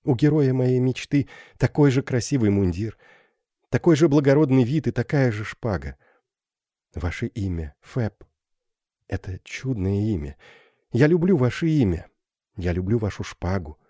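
A man voicing a shy, tender young Gypsy girl in love, speaking softly and pleadingly in a raised voice. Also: mid-range voice, lively intonation, normal speed, no room sound, studio quality, pitched above the performer's own voice, close to an everyday voice. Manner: soft, pleading, lightly raised voice.

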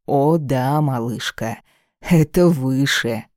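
A reader voicing a domineering, cruel male caliph who speaks slowly and menacingly in an audiobook. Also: medium pitch, dry recording, studio quality, close to an everyday voice. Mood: mocking. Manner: menacing, slow and commanding. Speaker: desert ruler holding the heroine captive.

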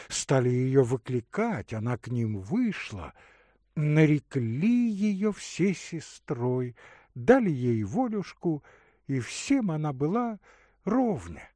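A gentle young woman tends to a sick man in a soft, singsong lilt, as a man reads her part in a high, lively voice. The delivery is unhurried, and the recording is close and dry. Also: no echo, exaggerated voice.

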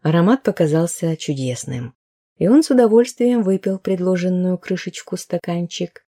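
A woman's voice: fairly low pitch, lively intonation, moderate pace, mellow. A woman narrating a story as an audiobook, in a wry, conversational way with colloquial turns.

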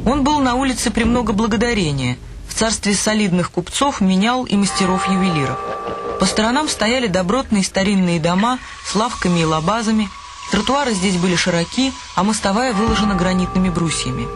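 A man's voice: sits high, expressive, a little fast, noisy background. A man reading scripted literary narration for a radio play, with music behind his voice.

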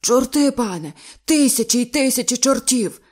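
A woman's voice: medium pitch, normal speed, warm tone, breathy edge, natural voice. A woman voicing a terrified male pearl diver who pleads in breathless, panicked bursts.

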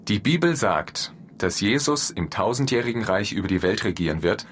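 An actor playing an earnest Christian forum member, explaining doctrine in a formal, didactic way. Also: male voice, on the low side, animated, moderate pace.

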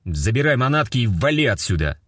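A man playing a gruff barking police captain. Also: on the high side, big pitch swings, moderate pace, no echo, studio quality, voice pushed up. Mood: gruff, bossy. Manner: barking orders. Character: fat gruff police captain, bossy and irritable.

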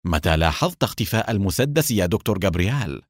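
A man reading a calm young police captain. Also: low-pitched, quick pace, no room sound, clean studio sound. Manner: calm, direct questioning.

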